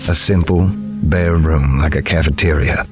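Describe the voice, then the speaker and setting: A grave reporter played by a man tells a horror story in a very deep voice. His delivery is measured, somber and literary, with music playing underneath. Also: steady tone. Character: grave, observant male newspaper reporter. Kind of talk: first-person narration of a horror audio drama. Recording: music behind the voice.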